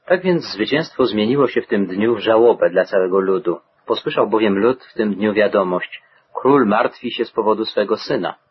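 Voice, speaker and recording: A man giving a measured, solemn scripted reading of scripture. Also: on the low side, expressive, lo-fi sound, a little hiss or hum. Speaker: Bible reader.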